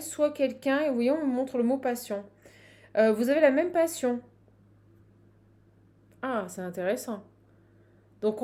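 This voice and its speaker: A fairly high, slightly mellow female voice with a Parisian French accent belongs to a tarot reader who runs a channel. She offers viewers a casual, off-the-cuff card reading, talking chattily with exclamations, repetitions and thoughts left unfinished.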